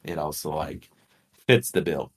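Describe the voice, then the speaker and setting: A man's voice: a bass voice, lively intonation, a little slow. A man from Portugal co-hosting a casual sports podcast, talking bluntly with swearing and rambling explanations. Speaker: podcast co-host.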